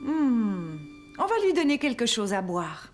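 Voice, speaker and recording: A patient young cartoon mother speaks softly and soothingly. Her voice sits a little high. Music plays clearly behind her. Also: big pitch swings, measured pace. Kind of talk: French cartoon dubbing.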